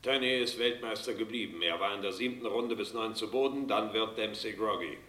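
Bright, forceful male sports crier. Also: fairly low pitch, fairly quick. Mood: urgent. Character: brisk sports news crier. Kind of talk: radio drama news snippet.

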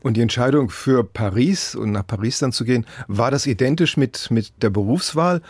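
A man's voice: mid-range voice, lively intonation, moderate pace, slightly rough, no echo. A man hosting a radio interview, asking probing, articulate questions.

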